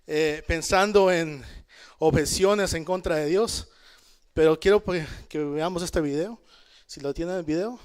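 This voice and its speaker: Man preaching with a smooth, higher voice. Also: a little slow. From El Salvador. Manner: conversational, calls out amen and checks in with listeners. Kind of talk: church Bible study teaching. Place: church in Canada.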